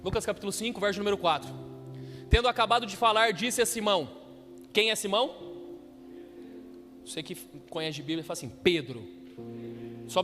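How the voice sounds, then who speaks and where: High-voiced pastor preaching in a hall. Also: male voice. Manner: preaching with call-and-response questions to the congregation. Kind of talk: sermon. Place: church hall.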